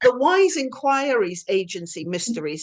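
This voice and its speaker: A woman with a Welsh accent speaks with very wide pitch swings. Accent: Swansea Welsh, stronger lately. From Wales, Swansea. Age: 60s. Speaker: crime novelist and panel host. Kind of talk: online panel talk.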